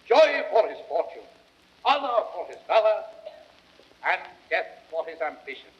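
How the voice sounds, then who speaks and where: An actor playing a proud, earnest Roman statesman, declaiming deliberately in classical Shakespearean radio-drama style. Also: sits high, heavily acted. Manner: declamatory, deliberate, rhetorical delivery. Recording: dull vintage record sound.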